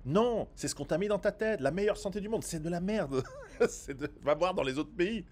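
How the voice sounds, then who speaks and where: A man who is not a native French speaker, hosting a survival commentary video and talking straight to the viewer in a rambling, animated way with many restarts and sarcastic asides. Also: high-pitched, normal speed. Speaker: survival author and video host. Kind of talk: direct-to-camera commentary.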